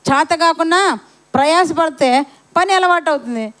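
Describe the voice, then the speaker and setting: High-voiced woman preaching with rhetorical questions. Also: normal speed, fairly bright tone. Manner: rhetorical questions, repeats phrases for emphasis. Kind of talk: sermon. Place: church service.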